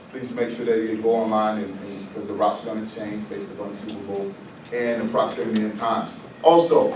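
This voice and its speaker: A man from the U.S. Virgin Islands, a fire department presenter, giving a chatty, joking safety talk to a seated group in a meeting room. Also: fairly low pitch. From U.S. Virgin Islands (St. Croix). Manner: joking, chatty, loose and conversational. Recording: echoey room, mic far off, noisy background.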